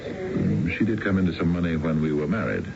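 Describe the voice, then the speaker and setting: Very deep, gravelly, smooth wealthy broker. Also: male voice, very animated, exaggerated voice. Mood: smooth, matter-of-fact. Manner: hesitant, halting, genteel. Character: wealthy unfaithful middle-aged male broker, smooth and self-assured. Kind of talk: radio drama acting. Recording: muffled, noisy old radio broadcast.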